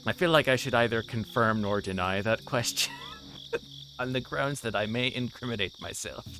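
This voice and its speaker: A man's voice: medium pitch, moderate pace, background noise. A man livestreaming a visual novel, reading its narration aloud and chatting with viewers. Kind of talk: narrating a game with asides to chat.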